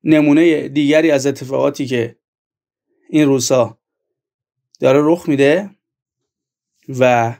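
A man's voice: medium pitch, steady tone, creaky, pauses often, a little mellow. A man giving online video commentary, speaking earnestly and directly to his viewers.

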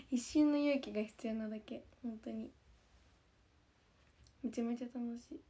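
A woman's voice: on the high side, slow, long pauses, darkish tone. A young woman from an idol group chatting casually to viewers, talkative and giggly, often repeating herself.

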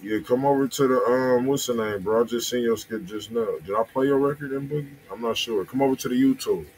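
A man's voice: mid-range voice, a little fast, a little mellow. An American man co-hosting a music review stream, chatting casually in slang and often repeating himself. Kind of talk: casual livestream chat and feedback. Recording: faint background noise.

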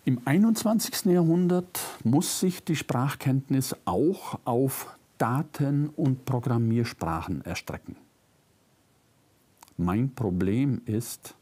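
An older man with a faint Bavarian-Swabian German accent, reading a prepared lecture as a philosopher, measured and reflective, lifting his voice on key words. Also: medium pitch, dark tone, slightly rough. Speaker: philosopher giving a public lecture. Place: lecture room, seated at a desk. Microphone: lapel mic.

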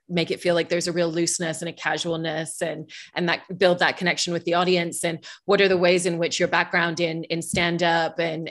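Lower-voiced young woman moderator. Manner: long, measured questions. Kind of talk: interview questions. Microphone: video call.

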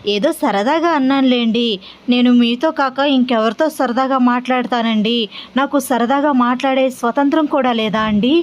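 A woman's voice: fairly high pitch, moderate pace, lo-fi sound, natural voice. A woman voicing a playful wife who teases her husband with innocent, sing-song questions. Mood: innocently teasing.

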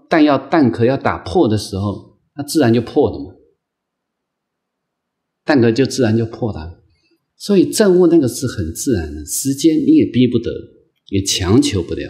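A man, a Buddhist monk, giving an unscripted dharma lecture in a gentle, patient way, repeating phrases and filling pauses with soft drawn-out sounds. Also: medium pitch. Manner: gentle, repetitive phrasing with many drawn-out "ah" fillers; slow, patient, coaxing delivery.

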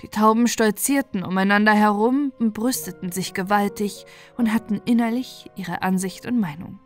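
A woman narrates a fairy tale as a storyteller. Her voice sits at a medium pitch, reading from a script, and music plays behind her. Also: normal speed. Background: background music.

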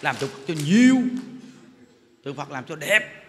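A man's voice: a little high, very animated, normal speed, fairly bright tone. A man, a Buddhist monk, giving a casual, anecdote-filled Dharma talk, often laughing and turning to his listeners. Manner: chatty, laughing often, turning to the audience with "quý vị". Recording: long hall reverb with faint noise.

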